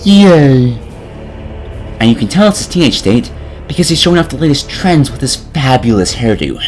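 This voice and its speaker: A man's voice: mid-range voice, sing-song, fast talker, soft background music. A man narrating a scripted comedic video game review in a sarcastic, mock-dramatic manner.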